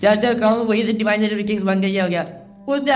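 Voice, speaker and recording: There is music in the background as a man speaks at a high pitch. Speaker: religious scholar giving a lecture. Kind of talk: religious lecture (bayan).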